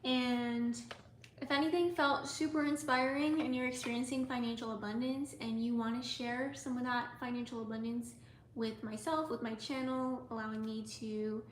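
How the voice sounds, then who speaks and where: A young woman from the United States, hosting a casual livestream as an artist. She talks softly and rambles with lots of "like" and "um", sometimes dropping almost to a whisper. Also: on the high side, fairly even intonation, moderate pace. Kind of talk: casual livestream chat with viewers. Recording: echoey room with faint ambient noise.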